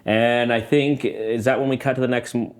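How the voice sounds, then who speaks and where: A man hosting a laid-back film podcast, walking his friends through movie scenes step by step. His voice sits at a middle pitch. He talks casually, with loose restarts. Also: steady tone, moderate pace. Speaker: podcast host.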